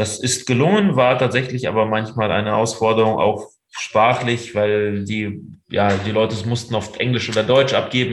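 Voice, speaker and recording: A man at a medium pitch, fairly quick and monotone with flat intonation, over noticeable background noise. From Soviet Union, raised in Germany from the 90s. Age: 30s. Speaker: freelance sports journalist. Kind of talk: interview.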